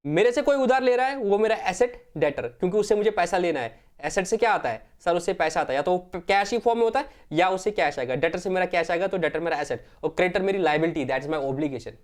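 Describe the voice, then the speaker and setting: A man's voice: sits high, expressive, quick pace, hardly any pauses. A man teaches an accounting lesson from the board. He drills key terms through repetition and answers his own questions, speaking to his students as friends. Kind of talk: classroom lecture, Hindi mixed with English terms.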